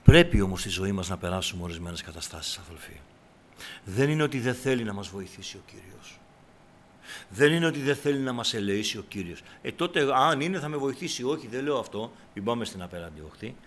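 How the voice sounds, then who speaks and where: A man preaching a sermon to his congregation, breaking into loud cries and then dropping back to a low, quiet voice. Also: animated. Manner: shouts in bursts, then drops to a low, quiet tone; addresses the congregation as brothers.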